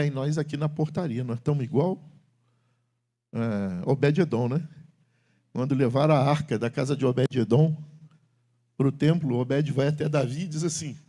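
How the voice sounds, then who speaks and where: In a church sanctuary, a middle-aged pastor preaches a sermon, swinging between loud, emphatic calls and low, confiding talk to the congregation.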